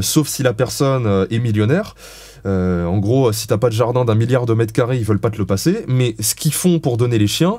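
A man's voice: mid-range voice, a little mellow, no room sound. A man giving dog-training advice as an interview guest, explaining in a frank, blunt way with casual swearing.

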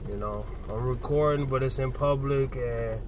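A man's voice: mid-range voice, moderate pace. A man vlogging while he drives, talking casually to himself and grumbling about the other drivers. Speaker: fitness vlogger. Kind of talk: casual driving commentary. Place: car in the rain. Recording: distant phone mic with rain noise. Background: rain and traffic noise.

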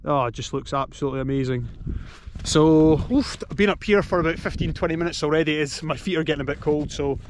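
A man with a fairly high voice narrates a casual hiking vlog. He is enthusiastic and full of exclamations of awe. The handheld outdoor recording carries faint noise. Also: quick pace. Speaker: hiking vlogger. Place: outdoors on a mountain hike.

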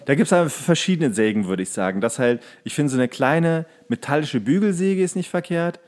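A man's voice: on the high side, lively intonation, moderate pace, darkish tone. A man talking casually as a podcast co-host. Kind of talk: casual chat.

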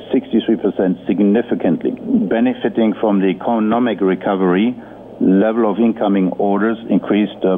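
Male executive for an earnings call: lowish voice, formal, hesitant delivery, heard over a thin telephone connection. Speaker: company executive. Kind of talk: prepared earnings-call presentation. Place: conference call line. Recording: muffled phone-line audio with noise.

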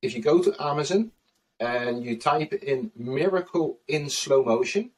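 A man's voice: medium pitch, a little slow, darkish tone. A man in his forties with a Dutch accent, speaking earnestly as a guest on a video-call interview with frequent "uh" fillers. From Netherlands. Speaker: guest, solution-focused trainer. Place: small room at home. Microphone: webcam mic on video call, from a distance. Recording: distant webcam mic.

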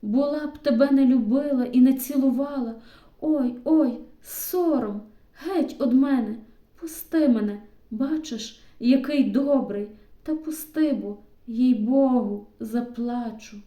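A woman's voice: on the high side, takes it slowly, mellow, echoey room, pitched above the performer's own voice. A woman voicing a loving young village girl who pleads emotionally in an audiobook reading. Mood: flustered.

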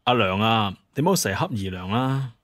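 Flattering head-of-household son, played by a man, audio drama: low, placating, dry close recording. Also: brisk, dry recording. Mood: coaxing. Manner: coaxing, flattering.

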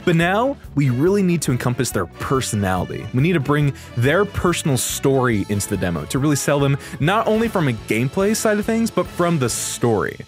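A man giving casual, slangy, excited reaction commentary on video game trailers, full of exclamations. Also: a little high, brisk, few pauses. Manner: slangy, exclamatory, gushing fan talk. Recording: game music behind the voice.

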